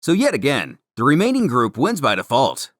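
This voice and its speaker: A man's voice: medium pitch, huge pitch swings, moderate pace, no echo, studio quality. A man narrating a scripted story recap in a theatrical, wordy storytelling manner. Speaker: narrator of a comic recap series.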